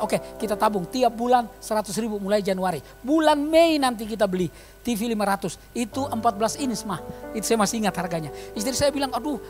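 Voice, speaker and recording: A man in his fifties preaching a sermon in a church, telling stories and swinging from quiet asides to loud calls. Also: sits high. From eastern Indonesia. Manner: animated storytelling, swings from quiet to shouting. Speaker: pastor. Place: church hall. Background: music.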